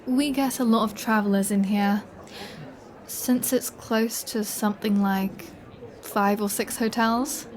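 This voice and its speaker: A woman's voice: medium pitch, steady tone, a little mellow, close to an everyday voice. A woman playing a flirty, playful vampire who teases in a chatty, self-assured way, as in an intimate roleplay audio. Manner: teasing, chatty, unhurried.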